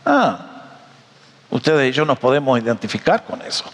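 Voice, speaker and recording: A man preaching a sermon, animated and joking, often asking his audience questions. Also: mid-range voice, fast talker, in a large hall. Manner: animated, jokey storyteller, asks the audience questions.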